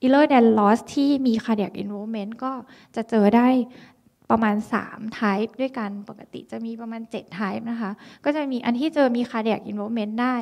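A woman physician lectures on skin signs of heart disease, explaining each point patiently. Her voice sits a little high and has a gravelly edge. She scatters English medical terms through her talk. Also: steady tone, a little slow, a little mellow. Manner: explanatory, mixes English medical terms, frequent polite particles. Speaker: dermatology lecturer.

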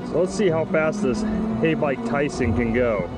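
A man's voice: medium pitch, animated, moderate pace. Man, middle-aged, casual outdoor talk, enthusiastic, action camera, music behind. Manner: enthusiastic, encouraging. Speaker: e-bike reviewer, father. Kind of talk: casual on-camera talk while riding and fishing. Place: outdoors, suburban streets and lakeside.

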